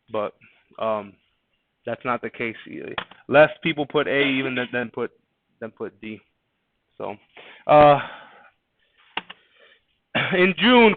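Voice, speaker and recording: A man's voice: a little high, dry recording. A man teaching a math class, going over quiz answers in a casual, chatty way and often restarting his words. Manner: casual, conversational, repeats words while thinking. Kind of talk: classroom lesson reviewing a quiz. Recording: dry, phone-like narrow sound.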